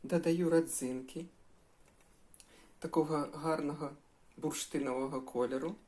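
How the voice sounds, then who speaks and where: A woman's voice: deep voice, fairly even intonation, unhurried, warm tone, a little hiss or hum. An older woman chatting in a homely way while she cooks breakfast, addressing her viewers as girls. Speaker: cooking vlogger. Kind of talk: casual cooking vlog.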